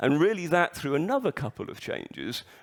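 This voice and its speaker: A man with a British accent. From UK. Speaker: conference speaker, retail consultant. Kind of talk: conference presentation. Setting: stage with audience.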